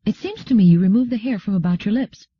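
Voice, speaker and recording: Here is a man playing a haughty, curious lady of noble birth in an audiobook. The speech is prim and precise, lifted high in pitch. The recording is somewhat dull and lo-fi. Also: fast, slightly rough, dry recording. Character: haughty, curious aristocratic woman from another world. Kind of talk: audiobook character dialogue.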